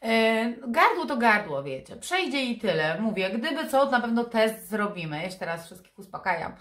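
A woman's voice: a little high, big pitch swings, moderate pace, fairly bright tone, roomy sound. Congested, nasal woman in her thirties. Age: 30s. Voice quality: nasal, congested from a blocked nose. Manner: candid, confiding. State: stuffy nose, sore throat. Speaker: vlogger. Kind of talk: casual vlog chat to camera. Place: furnished room indoors. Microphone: camera propped in front of her.

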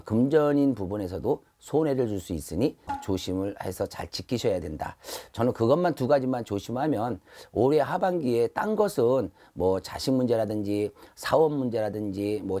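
A middle-aged man reads fortunes to camera in a steady, advisory way, pausing often on fillers. His voice is husky and dark, warm rather than bright. It is picked up close on a lapel mic indoors. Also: fairly low pitch. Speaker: shaman fortune teller. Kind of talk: fortune reading talk to camera. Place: shrine room with altar, indoors.

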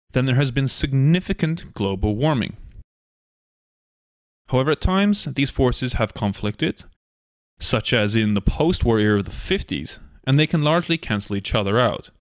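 A man reading a scripted documentary narration in a measured, argumentative way, posing rhetorical questions. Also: mid-range voice, dry recording, clean studio sound.

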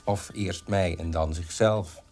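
An actor playing a bitter, defiant gay son of fugitive Nazi parents in a Dutch radio drama monologue, with biting, dramatic delivery. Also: male voice, sits low, steady tone, takes it slowly, darkish tone, faint music behind.

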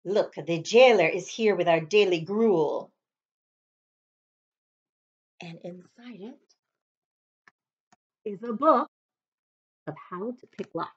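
A woman, reading a storybook aloud to children with expressive, dramatic delivery. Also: mid-range voice, slow, pauses often, breathy edge. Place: living room, on a couch. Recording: slightly dull webcam audio.

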